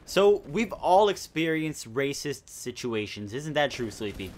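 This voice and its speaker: A man's voice: on the high side, big pitch swings, unhurried. A teenage boy hosting a casual gaming chat, telling a school story in a rambling, indignant way. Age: teens. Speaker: host.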